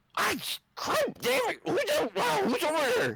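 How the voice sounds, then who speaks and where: A squeaky, high-pitched put-on character voice at a fairly slow pace. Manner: flustered, startled.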